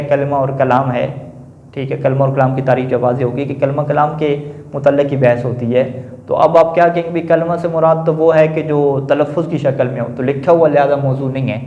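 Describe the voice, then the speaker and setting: A man teaching a class, his voice a touch higher than most men's. He keeps putting questions to the room and answering them himself, adding short confirming fillers. The sound is dull and lo-fi, with a clear room echo. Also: warm tone. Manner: repeats a confirming filler often. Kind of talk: classroom lecture on Arabic grammar.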